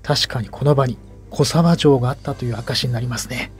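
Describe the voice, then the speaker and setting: A man's voice: mid-range voice, brisk, soft background music. A man narrating local history as an explanatory guide.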